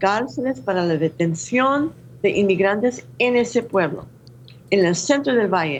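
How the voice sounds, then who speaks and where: At a fairly slow pace, a woman with a medium pitch speaks in very even loudness while her pitch moves in very wide swings. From New Mexico, US. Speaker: presidential candidate, activist. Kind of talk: interview.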